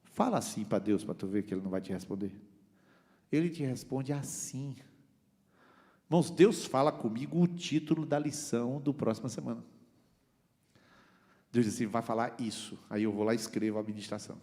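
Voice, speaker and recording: A male pastor delivers a sermon, his voice sitting at an ordinary middle pitch when calm. He jumps between loud, high-pitched exclamations and hushed, low asides, throwing rhetorical questions at the congregation. A long reverb from the church hall trails after every phrase. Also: a little fast, long pauses.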